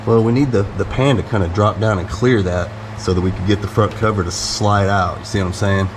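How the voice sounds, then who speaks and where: A man's voice: on the low side, steady tone, brisk. A middle-aged American man casually explaining a hands-on repair in a folksy, conversational way. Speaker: DIY mechanic vlogger. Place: hot space around a truck, fan running. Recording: loud fan noise behind voice. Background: fan noise.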